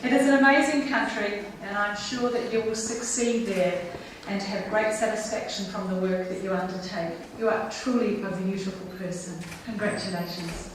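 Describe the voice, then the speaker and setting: A woman's voice: mid-range voice, fairly even intonation, moderate pace. A woman with an Australian accent giving an informal tribute speech as host of an event. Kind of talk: warm informal public speech. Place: roomy indoor gathering, mic at a distance. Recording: echoey room, distant mic, noisy.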